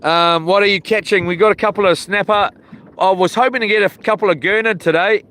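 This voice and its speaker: High-voiced Kiwi man chatting outdoors. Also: a little fast, a bit bright. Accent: New Zealand. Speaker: fishing livestream host. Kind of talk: casual livestream chat. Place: outdoors on a small boat. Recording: clear outdoor boat and water noise.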